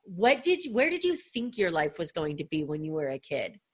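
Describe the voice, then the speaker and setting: A woman's voice: on the low side, very animated, moderate pace, slightly rough. Upbeat woman podcast host. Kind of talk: podcast interview.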